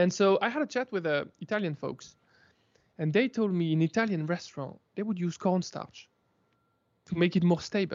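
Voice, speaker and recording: A man with a French accent and a high pitch speaks with long, frequent pauses. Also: ordinary pitch variation, moderate pace. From France. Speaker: food YouTuber and engineer. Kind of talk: interview. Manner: halting.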